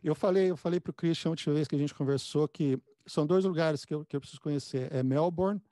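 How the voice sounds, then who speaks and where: Mellow-voiced man interviewing, close and dry. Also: fairly high pitch, dry recording. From born in the United States. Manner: halting, repeats words as he goes. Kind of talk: casual conversational interview.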